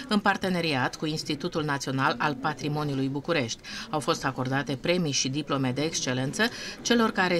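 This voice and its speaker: Low-voiced woman reading a news report. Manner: measured, even news reading. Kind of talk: scripted news narration.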